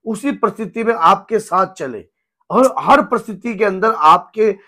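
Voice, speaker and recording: A hoarse man in his thirties, a spiritual guru giving an earnest devotional teaching talk at home. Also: high voice, animated, a little slow, sharp tone. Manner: earnest, gesturing, repeats himself. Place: home room with a shrine, indoors.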